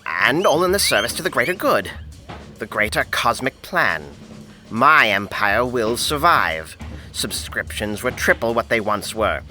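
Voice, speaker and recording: A man's voice: mid-range voice, big pitch swings, unhurried, pushed and bright, soft background music, exaggerated voice. A man playing a self-justifying, scheming media boss with grand ambitions, intense and self-important, in an audio drama. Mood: defensive, grandiose.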